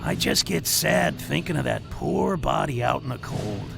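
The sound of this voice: A man's cartoonish character voice, very deep and low, at a moderate pace over loud background noise.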